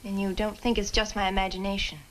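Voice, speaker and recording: An actress playing a polite, worried young woman, gentle and earnest, in a 1960s horror film. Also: medium pitch, flat delivery, fast talker, close to an everyday voice. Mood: anxious, polite. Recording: noisy old film soundtrack.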